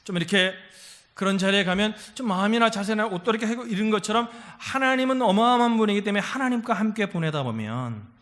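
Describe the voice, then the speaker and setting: Bright-voiced high man preaching. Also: quick pace. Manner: animated preaching, acting out quoted voices, frequent hallelujahs. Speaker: pastor. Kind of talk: sermon. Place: church sanctuary.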